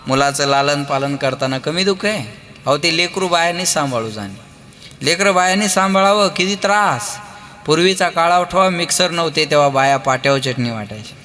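A man with a Marathi accent preaching a devotional kirtan sermon, telling lively family stories, acting out their voices and calling on the crowd to answer. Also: on the high side, moderate pace. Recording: long hall reverb with live music.

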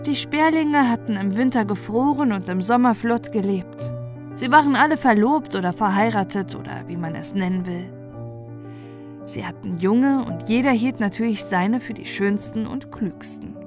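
A woman's voice: medium pitch, expressive, normal speed. A woman storyteller reading a scripted fairy-tale narration. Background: background music.

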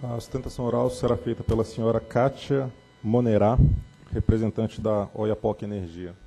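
A Brazilian man chairing a meeting, reading agenda items in a steady official way. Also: fairly low pitch, moderate pace, vocal fry, breathy edge. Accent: Brazilian Portuguese. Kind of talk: formal agenda announcement.

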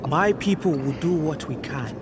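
An actor voicing a grave, earnest tribal leader in a game, speaking formally and urgently. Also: male voice, a little high, animated, normal speed, close to an everyday voice. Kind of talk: game character dialogue. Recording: game audio with loud music.

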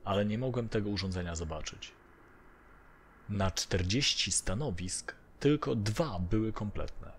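A man's voice: lowish voice, a little slow, a little hiss or hum. A man narrating a first-person horror story from a script. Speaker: narrator of audio horror stories.

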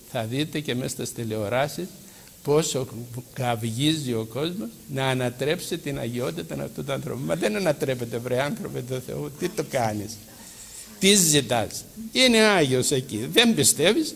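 Older priest, fervent sermon delivery, long hall echo. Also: male voice, mid-range voice, creaky. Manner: fervent preaching, rhetorical questions. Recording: hall reverb with faint background noise.

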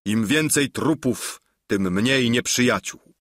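A man's voice: mid-range voice, takes it slowly, a bit bright, no echo, clean studio sound. A man playing a grandly solemn old knight. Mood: exclaiming. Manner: declamatory, commanding.

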